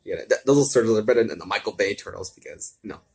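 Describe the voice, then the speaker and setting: A man with a fairly low voice reads fan fiction in an amateur, informal way. He often trips over words, repeats phrases and drifts into casual commentary. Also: lively intonation, fast talker, creaky, darkish tone, slightly rough. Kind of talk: amateur story reading with casual asides.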